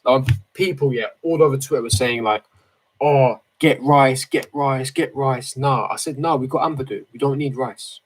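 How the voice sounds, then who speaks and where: Late-teen male, medium pitch, casual streamer chat, slangy, opinionated, repetitive emphasis, close desk mic. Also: normal speed, slight background noise, low-quality recording. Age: 18, late teens. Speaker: football fan streamer. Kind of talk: casual livestream chat, reading and answering viewer comments. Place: small bedroom, indoors. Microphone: desk microphone close in front.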